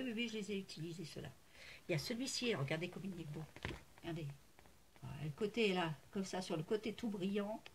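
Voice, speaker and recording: Talking to camera about her craft haul, this vlogger has a mid-range voice and a faint hiss or hum on the recording. She hesitates a lot, leans on fillers, and gushes, saying the same things more than once.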